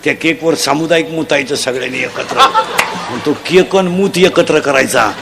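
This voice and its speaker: A man preaching a humorous devotional sermon, loudly quizzing the children in the crowd and mocking bad habits. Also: fairly high pitch, normal speed, gravelly, background noise. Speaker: kirtan preacher.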